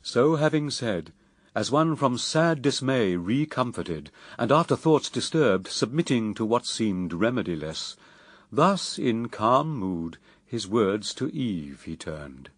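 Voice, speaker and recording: A male narrator reads epic verse with grave theatrical weight. His pace is slow and his pitch moves widely. The sound is close and dry. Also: sing-song, no echo.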